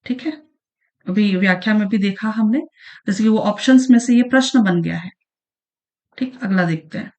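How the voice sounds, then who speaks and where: A woman's voice: mid-range voice, moderate pace, pauses often, darkish tone. A woman teaching an online exam-prep lesson, patiently repeating each definition and checking in with the listener as she goes. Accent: Chhattisgarhi Hindi. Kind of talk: online lesson going through past exam questions.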